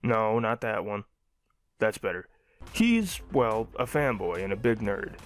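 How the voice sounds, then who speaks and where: Low-voiced young man reviewing cartoons. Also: animated, unhurried, soft background music. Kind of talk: scripted review narration.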